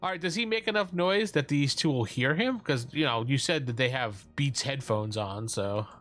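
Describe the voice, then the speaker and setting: A man's voice: medium pitch, normal speed, a bit bright. A man running a tabletop game as game master, joking and laughing often as he narrates. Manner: jokey, laughs often, slips into silly voices.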